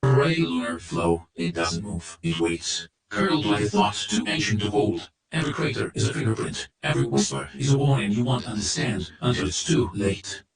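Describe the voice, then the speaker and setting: A cold, mechanical male robot. The granular robotic filter leaves a gravelly buzz. It plays back roomy and distant, with swooping pitch. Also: very animated, normal speed, few pauses. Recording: roomy, distant processed playback.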